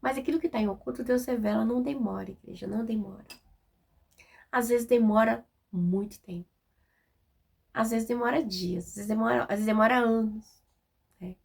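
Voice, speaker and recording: A Brazilian-accented woman delivers a sermon in a plain, direct, conversational way, often checking in with her listeners. Her voice sits a little high, with a gravelly edge and a husky, rough texture. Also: moderate pace. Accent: Brazilian Portuguese. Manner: direct, informal, frequent tag questions. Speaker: preacher.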